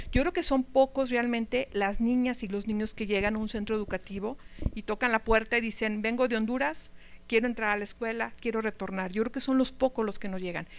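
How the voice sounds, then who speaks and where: A woman giving a live lecture to teachers, talking conversationally and asking the audience questions. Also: a little high. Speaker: speaker at a teacher training talk.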